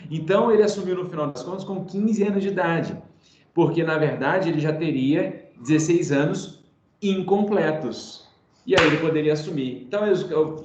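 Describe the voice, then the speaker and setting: A Brazilian man teaching history informally in an online class, telling it like a story in an animated, colloquial way and repeating points for his students. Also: fairly high pitch. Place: indoor room, online class. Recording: roomy, dull sound of an online class.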